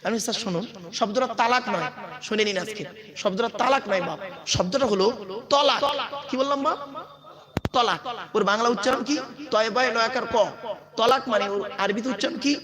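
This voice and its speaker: A man's voice: sits high, moderate pace. A man preaching at a religious gathering, emphatic, quizzing the crowd and calling out to his listeners. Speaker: Islamic preacher and school teacher. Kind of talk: Bengali waz sermon to a crowd. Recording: crowd noise behind.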